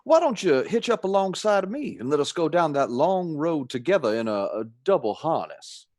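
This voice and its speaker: An actor playing a jolly, gallant young Texan suitor in a radio play, with a folksy, earnest drawl. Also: male voice, fairly high pitch, sing-song, moderate pace, a little mellow, no room sound, studio quality. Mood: folksy courting. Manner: folksy drawl with American slang.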